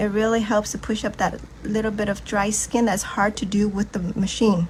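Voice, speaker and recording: A woman with a Vietnamese accent talks at a moderate pace in a medium-pitched voice. Her intonation is monotone and flat, with noticeable background noise behind her. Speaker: nail technician and product demonstrator. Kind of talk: product tutorial and sales pitch.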